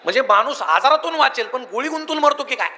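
Male speaker, high and sharp voice, joking storyteller giving a humorous motivational talk, reverberant hall. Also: animated, fast, a little hiss or hum. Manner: jokey storyteller, folksy anecdotes. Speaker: public speaker. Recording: echoey hall.

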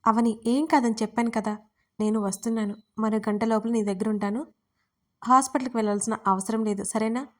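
A woman voicing a worried female friend who calmly and firmly reassures her, in an audio story. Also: a little high, brisk, lightly acted. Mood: soothing. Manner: reassuring, insistent. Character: worried close woman friend, calm and firm.

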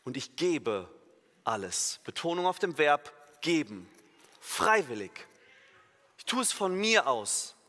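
A pastor giving a sermon, emphatic and lively, acting out imagined inner voices and now and then correcting himself mid-sentence. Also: male voice, fairly high pitch, slow pace. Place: church hall. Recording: long reverb of a church hall.

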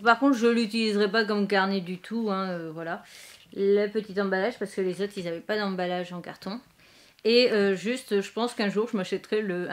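Chatty young French woman vlogging. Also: medium pitch. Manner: chatty, rambling, many fillers. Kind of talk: casual haul vlog. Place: bedroom in front of a bookshelf.

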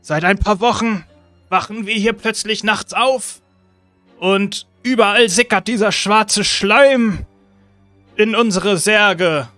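A man voicing a decayed zombie uncle who pleads with a hoarse, strained voice, repeating the boy's name and restarting his sentences. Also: high voice, takes it slowly, sharp tone, dry recording, faint music behind, heavily acted. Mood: coaxing. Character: undead zombie uncle, decayed, coaxing and weary.

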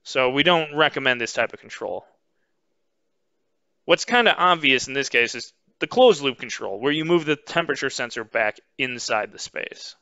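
A man walks through a recorded webinar lesson, pausing on "um" as he explains each slide. His voice is bright and smooth. The audio is dry and close, with a slightly muffled band. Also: mid-range voice, expressive, dry recording. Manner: measured explanatory pace with frequent "um" fillers. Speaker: instructor. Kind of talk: webinar lecture over slides.

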